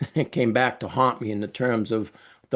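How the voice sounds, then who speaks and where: The speaker has a Boston accent and a moderate pace. Intonation is monotone and flat against a quiet background. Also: man. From Boston area, Massachusetts. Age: 70s. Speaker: abuse survivor advocate and musician. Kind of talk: interview testimony.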